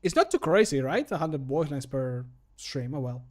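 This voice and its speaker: Casual male streamer, thirties, slightly higher-pitched voice, jokey, muttery and sweary, close-miked at a home desk. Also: very animated, normal speed, a little mellow. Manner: jokey, muttering to himself, profane. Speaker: streamer and game modder. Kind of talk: casual livestream chat while working. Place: home desk setup indoors. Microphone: close desk microphone.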